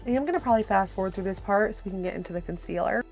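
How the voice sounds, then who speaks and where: A woman's voice: medium pitch, rapid-fire, a little mellow, soft background music. A woman beauty vlogger chatting casually to viewers through a product review, her voice worn from being sick.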